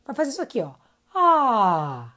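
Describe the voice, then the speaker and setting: A woman's voice: on the high side, expressive, brisk, a little mellow. A woman giving a live-streamed singing lesson, chatty and encouraging, greeting viewers by name between explanations. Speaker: singing teacher.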